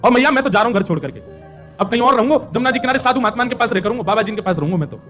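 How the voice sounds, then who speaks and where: A man acting out the little boy Krishna in a devotional story, whining and sobbing as he pleads in a Braj accent. The voice sits high and the words tumble out fast, with faint music behind. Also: animated, a bit bright. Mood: sulking. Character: child Krishna, small boy, sulking and pleading.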